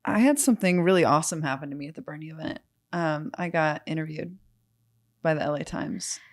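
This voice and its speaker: Young woman cohost with a lower voice, teasing, jokey deadpan stories. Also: brisk. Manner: teasing, joking, deadpan storytelling. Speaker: podcast co-host. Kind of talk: casual chat.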